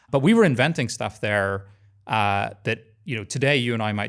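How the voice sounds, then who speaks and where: Fairly quick, enthusiastic speech from a man at medium pitch, on a very clean recording with a silent background. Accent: Northern Irish. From Northern Ireland, Belfast. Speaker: tech executive. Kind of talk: interview.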